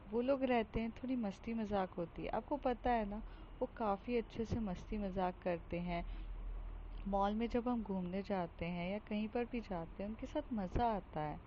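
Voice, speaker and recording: A woman voicing Chahat, a sweet schoolgirl, speaking softly and pleadingly. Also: mid-range voice, close to an everyday voice. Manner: soft, pleading, quiet. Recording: dull recording with faint hiss.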